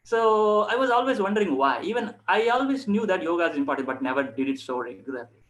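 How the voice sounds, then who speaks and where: A man giving an informal instructional talk as a yoga instructor, speaking earnestly in short, halting phrases to online viewers. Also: high voice, expressive, a bit bright, rough recording.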